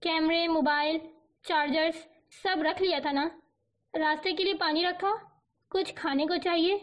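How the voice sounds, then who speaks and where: A woman's voice: very high-pitched, fairly even intonation, fairly bright tone. A woman narrator voicing a caring middle-aged hostess who asks concerned, checking questions. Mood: fussing. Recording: dull lo-fi recording.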